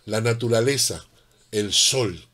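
A middle-aged male pastor preaching a sermon in an animated, emphatic way, full of rhetorical questions. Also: lowish voice, slow.

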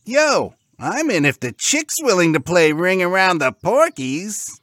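A man voicing immature, girl-crazy young pig brothers in a storybook, excitable and whiny, talking in bro slang. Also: high voice, unhurried, dry recording, clean studio sound, pitched above the performer's own voice, full character voice. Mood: eager.

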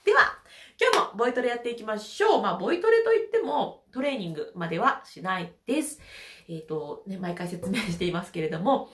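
A woman's voice: mid-range voice, very animated, a little fast, roomy sound. A woman with a stuffy nose from hay fever, leading a casual voice lesson, chatty and laughing often. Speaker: voice trainer.

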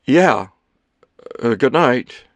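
A man's voice: on the low side, lively intonation, slow pace, vocal fry, dry recording, heavily acted. A man playing an anxious, well-meaning, awkward man in an audiobook, stammering, hesitant and backtracking. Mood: downcast. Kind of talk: audiobook character dialogue.

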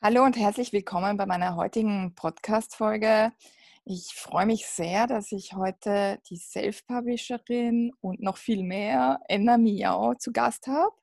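A woman's voice: mid-range voice, measured pace, creaky. A woman hosting a casual podcast interview, introducing her guest and reacting in a friendly way. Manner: friendly, warm reactions, laughs along. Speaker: podcast host.

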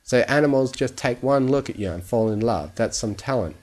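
A man playing a calm, kindly old pony. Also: mid-range voice, pitched above the performer's own voice, natural voice. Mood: kindly, conversational. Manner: conversational, measured, gentle.

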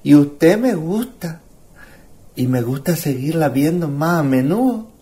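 A woman acts out an earnest young Chilean suitor from the countryside for radio theatre. The voice is soft-edged and slow, with big swings in melody. The manner is courteous and apologetic. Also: sits low, lively intonation. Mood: bashful, earnest. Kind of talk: radio drama acting.

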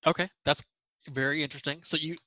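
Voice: medium pitch, fairly even intonation, fast talker, pushed and bright, no room sound. Interview host, hesitant, lots of fillers, casual questions, dry close sound.

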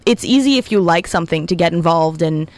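A woman of about twenty, from Egypt and raised in Abu Dhabi, talking casually as a student guest in a radio interview, relaxed and upbeat with frequent ums. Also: on the low side, fairly quick, no room sound.

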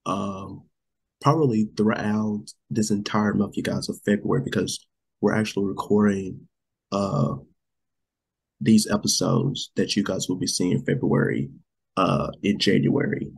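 A man's voice: on the low side, level tone, unhurried, low-quality recording. A man co-hosting a casual show, sick and losing his voice, rambling and saying "you guys" a lot. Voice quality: gravelly, husky. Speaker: podcast co-host.

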